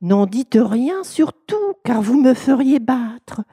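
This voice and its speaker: A woman's voice: on the high side, very animated, slow pace, warm tone, slightly rough, no room sound, studio quality, pitched above the performer's own voice, heavily acted. A woman voicing a naive, indiscreet wife in a fable who urgently shares a secret with her neighbor.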